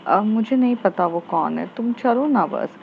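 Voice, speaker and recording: A shy, sweet young woman who pleads gently, as a female narrator voices her. A slightly dull, lo-fi recording with faint background noise. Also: on the high side, slow pace. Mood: pleading.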